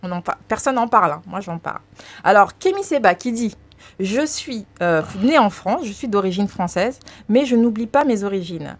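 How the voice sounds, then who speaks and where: Wearing headphones at a boom studio mic, a radio co-host in her thirties presses her guest with teasing questions during a casual on-air chat. Her medium-pitched voice has lively intonation and normal speed.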